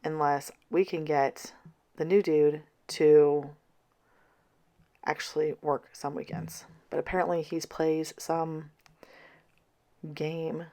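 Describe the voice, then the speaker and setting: A woman in her thirties chatting casually in a vlog, tired, her voice scratchy and hoarse, going out as she talks. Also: sits low, flat delivery, slow pace, pauses often, dark tone. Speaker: vlogger. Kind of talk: casual planner vlog chat.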